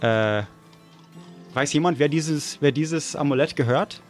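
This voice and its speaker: A man with a fairly high voice chats as the player in a detective game. He thinks aloud casually, tentative and halting. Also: soft background music.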